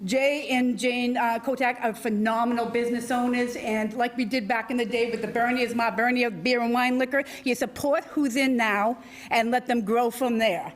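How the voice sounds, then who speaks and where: A woman in her sixties with a loud voice, speaking off the cuff at a town council meeting, chatty and full of fillers. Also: on the high side, steady tone, normal speed. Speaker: local businesswoman and commission chair. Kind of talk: unscripted public comment.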